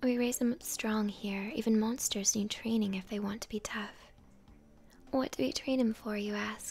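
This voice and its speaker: A soft-spoken woman whispers, somewhat breathy, over light background noise. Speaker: streamer. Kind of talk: reading game dialogue aloud. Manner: soft whispered voice for game NPC. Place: home room. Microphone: studio mic.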